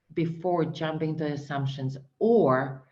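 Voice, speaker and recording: Somewhat breathy and very deep, low in pitch, a woman speaks with a Russian accent amid audible room echo. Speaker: international relations coordinator, army veteran. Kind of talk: Q and A answer. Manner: hesitant, many fillers.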